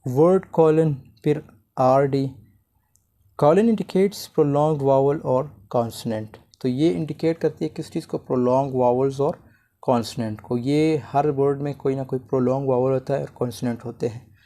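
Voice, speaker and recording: A male teacher giving an online lecture, slowly reading English slide text aloud and then explaining it, often repeating himself. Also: medium pitch, mellow. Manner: repeats words while explaining.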